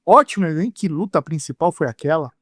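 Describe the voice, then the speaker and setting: A Brazilian man hosting a lively sports podcast in a playful, theatrical way, his voice rough from being sick. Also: a little high, fast, no echo, studio quality. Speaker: podcast host.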